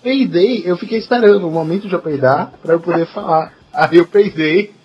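A Brazilian man co-hosting a podcast, telling a childhood story in a relaxed way with constant tag questions. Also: high voice, brisk. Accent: Brazilian Portuguese. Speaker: podcast co-host. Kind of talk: casual chat. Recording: muffled podcast audio with faint music.

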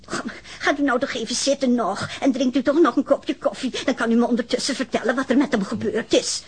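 An actress playing a chatty, nosy, easily indignant woman witness in a radio drama, rambling and insistent, with a husky voice. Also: fairly high pitch, a little fast. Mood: gossipy, confiding.

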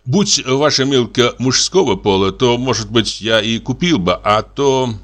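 A man's voice: medium pitch, lively intonation, measured pace, fairly bright tone. Man reading a touchy young volunteer soldier. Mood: offended. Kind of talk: audiobook character reading.

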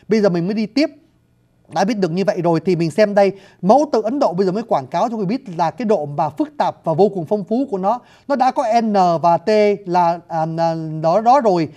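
Fast-talking lecturer. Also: mid-range voice, mellow. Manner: explanatory, often addresses listeners as "quý vị". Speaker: lecturer on scripts and languages. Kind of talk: spoken lecture.

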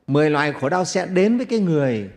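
A man's voice: fairly high pitch, very animated, fast talker, a little mellow. A man, a Buddhist monk telling a teaching story with rhetorical questions to his congregation. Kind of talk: sermon storytelling. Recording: long hall reverb.

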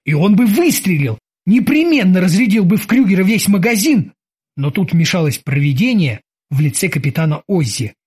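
A man with a husky voice reading an audiobook as an animated storyteller. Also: sits high, normal speed. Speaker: narrator. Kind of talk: audiobook narration.

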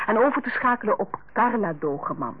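Radio drama role: friendly housewife, coaxing and earnest, very animated intonation, husky, lo-fi vintage recording. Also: female voice, medium pitch, a little fast. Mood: earnest, pleading. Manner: coaxing, earnest, hesitant when criticising. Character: friendly, tactful housewife, hostess to her sister-in-law. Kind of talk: old Dutch radio play acting. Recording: muffled, lo-fi old radio recording.

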